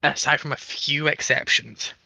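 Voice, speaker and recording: A man in a casual technical discussion as a panel guest, speaking haltingly as he searches for words. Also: fairly high pitch, fairly even intonation, creaky, pushed and bright, no echo.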